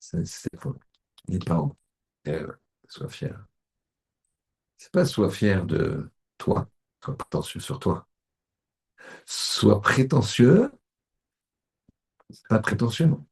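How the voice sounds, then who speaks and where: A middle-aged man, a rabbi, giving an animated sermon and acting out little scenes in other voices. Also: fairly low pitch, slow pace, creaky, pauses often, husky.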